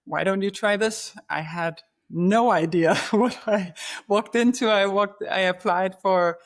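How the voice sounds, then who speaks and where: A woman's voice: medium pitch, a little slow. A woman from Denmark speaks as a podcast guest from her language. She answers in a conversational interview style, as an executive talking about herself. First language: Danish.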